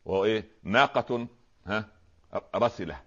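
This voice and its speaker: A man with an Egyptian Arabic accent, a preacher explaining religious words in a lively talk-show conversation, often asking rhetorical questions. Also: lowish voice, normal speed, muffled recording. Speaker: Islamic preacher, guest scholar.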